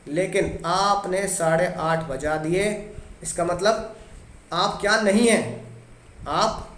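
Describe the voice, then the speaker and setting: An energetic male teacher runs an exam-prep lesson, repeating key words and playing his students' replies himself. His voice sits high for a man. The recording is roomy and echoey, with a faint hum behind it.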